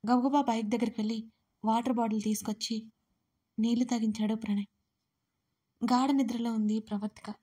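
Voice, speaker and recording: A woman narrating an audio story with expressive reading, speaking straight to her listeners. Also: a little high, brisk, long pauses, slightly rough.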